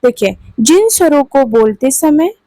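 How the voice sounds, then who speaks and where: Woman teacher, slow and deliberate, higher voice, dry close mic, exam-prep lesson. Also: big pitch swings, warm tone, no echo, low-quality recording. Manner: slow, repeats "ठीक है दोस्तों" between points.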